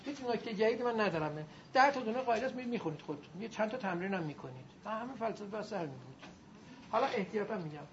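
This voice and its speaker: A woman teaching a class, lively and animated as she drills her students in call-and-response. Her voice sits at an ordinary middle pitch. The recording is a little muffled, with faint noise underneath. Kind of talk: classroom lecture on Arabic grammar.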